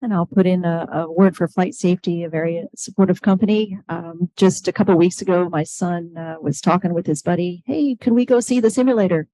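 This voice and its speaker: A woman pilot on a panel who tells stories in a relaxed way and acts out quotes. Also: fairly low pitch, fairly quick, hardly any pauses, no echo, low-quality recording. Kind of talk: casual panel talk.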